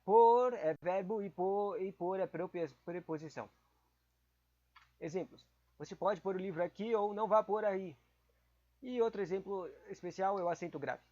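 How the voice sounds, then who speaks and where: Guy studying grammar out loud, kinda high voice, mumbly and confused, dull lo-fi sound. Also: moderate pace, long pauses. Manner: casual, muttering, confused asides. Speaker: podcast host studying for exams. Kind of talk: thinking aloud while studying. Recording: dull lo-fi recording.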